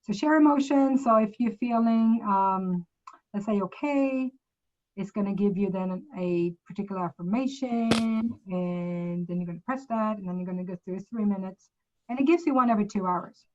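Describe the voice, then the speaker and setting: A woman from Sweden with a Swedish accent presents a casual app demo over screen share, chatty and loose, often correcting herself. Her medium-pitched, slightly mellow voice moves at normal speed, and the recording is muffled.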